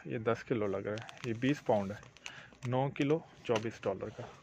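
A man's voice: mid-range voice, fairly bright tone. A man filming as he walks through a grocery store, explaining prices, costs and profit step by step in a casual way. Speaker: vlogger touring a grocery store. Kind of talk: casual walk-through narration. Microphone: handheld phone camera.

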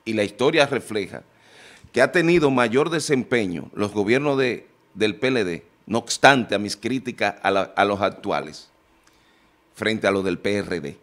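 A man's voice: fairly low pitch, moderate pace. Emphatic man debating on TV. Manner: emphatic, rising to forceful questions. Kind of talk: heated political panel debate. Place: TV studio. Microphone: desk microphone.

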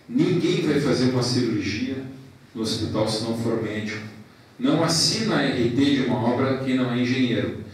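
A man in his forties, president of a professional council, giving a formal ceremony speech into a handheld mic in a large hall. He speaks in a measured way, listing thanks and points with pauses. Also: mid-range voice, darkish tone, a little hiss or hum. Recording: echoey hall from a distance.

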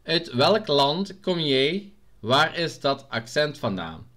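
A man's voice: a little high, sing-song, takes it slowly, fairly bright tone. A man with a Limburg Flemish accent, casually reading out and answering viewer comments in a vlog, hesitant with frequent filler sounds. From Belgium, Limburg. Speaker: vlogger.

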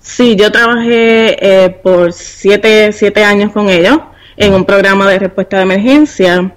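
Podcast guest, Puerto Rican woman, forties, mid-pitched, measured explanations. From Puerto Rico. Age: 40s. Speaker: guest, university professor and business consultant. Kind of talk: podcast interview conversation.

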